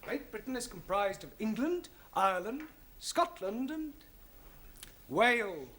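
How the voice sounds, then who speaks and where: An exasperated English teacher. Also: male voice, high voice, big pitch swings, a little slow, a bit bright, heavily acted. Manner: exasperated, trying to stay patient. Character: patient, bewildered young English teacher. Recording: noisy old TV sitcom audio.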